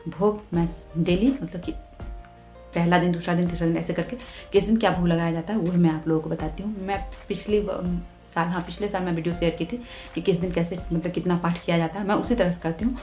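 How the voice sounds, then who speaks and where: Give me a woman vlogger with a slightly low voice chatting through her home puja routine step by step. The room rings with echo, and soft music plays faintly underneath. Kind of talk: casual devotional vlog talk.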